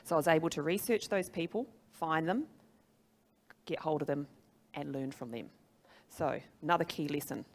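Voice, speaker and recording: A woman's voice: low-pitched, moderate pace, pauses often. A middle-aged woman with a New Zealand accent presenting to a live audience as a business trainer, conversational and emphatic, often putting questions to her listeners. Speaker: social media trainer and speaker.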